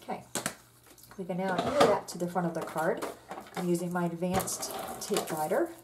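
Heavy background noise accompanies a woman's lowish voice at a normal speed as she demonstrates card-making. Relaxed and chatty, she walks through each step with fillers at an indoor craft table, while an overhead camera captures only her hands.

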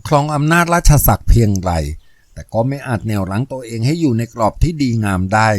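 A man reading a novel aloud in steady, measured scripted narration. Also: medium pitch, dry recording. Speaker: audiobook narrator.

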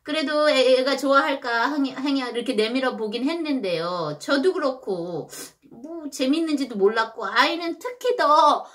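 A chatty mother in her thirties talks parents through a picture book, full of fillers and questions to her listeners. Her voice is bright and higher than most, moving lively up and down. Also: moderate pace, hardly any pauses. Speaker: mother teaching English picture-book reading. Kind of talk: casual explanatory talk to parents.

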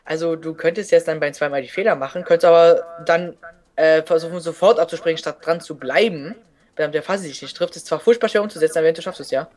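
A man's voice: on the high side, quick pace, darkish tone. Rambling, joking co-commentator man. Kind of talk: casual gaming chat.

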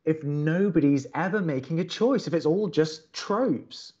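A man playing an earnest, love-struck young college radio host in an audio drama, speaking in a deliberate, pleading way. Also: a little high, a little mellow, muffled recording, natural voice. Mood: insistent. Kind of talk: naturalistic audio drama acting.

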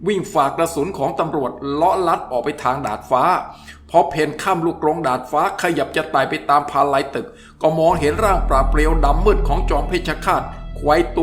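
Dramatic male audiobook narrator. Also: fairly high pitch. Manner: vivid, dramatic reading of action scenes. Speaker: storyteller reading a novel. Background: soft background music.

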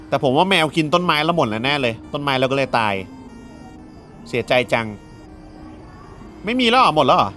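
High, lively gaming YouTuber man. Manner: playful, joking, reads game dialogue aloud. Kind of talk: let's play commentary.

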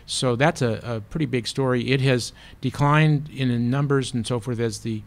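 A man's voice: medium pitch, normal speed. A man, a professor on a panel, answering audience questions thoughtfully with frequent fillers and restarts, at a table microphone in a small seminar room.

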